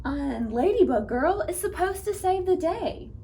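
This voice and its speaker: A woman's voice: very high voice, expressive, measured pace, pitched above the performer's own voice, exaggerated voice. A woman voicing an earnest, eager little girl who plays superhero in a children's storybook. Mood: worried. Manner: bright-eyed, earnest, declaring and asking eagerly.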